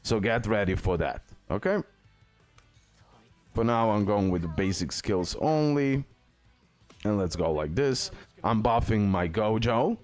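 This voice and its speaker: A man with a fairly low voice talks through a video game as a guide host. His delivery is casual and explanatory. He uses non-native English phrasing and often repeats words and phrases. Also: expressive, a little slow, long pauses, darkish tone, faint music behind.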